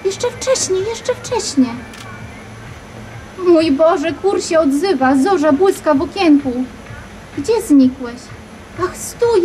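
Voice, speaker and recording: A woman's voice: extremely high pitch, dark tone, pitched above the performer's own voice, heavily acted, low-quality recording. A woman reciting poetry and voicing a distraught young village girl who calls to her dead lover in a pleading, frightened way. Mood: desperate longing.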